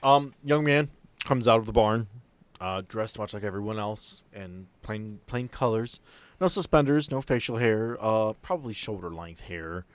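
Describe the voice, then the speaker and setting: A man narrating a tabletop game as game master, explaining scenes in a halting, improvised way. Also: fairly low pitch, no echo.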